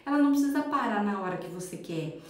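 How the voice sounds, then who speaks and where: A woman in her thirties, a parenting educator, giving a lively instructional talk on a live stream and acting out yelling parents and children. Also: mid-range voice, fast talker, very echoey.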